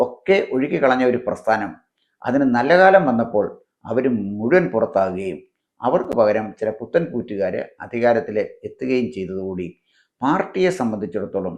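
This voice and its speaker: His voice sits at a medium pitch. This man's pitch rises and falls very widely. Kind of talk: political commentary monologue. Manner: halting, phrase-by-phrase delivery.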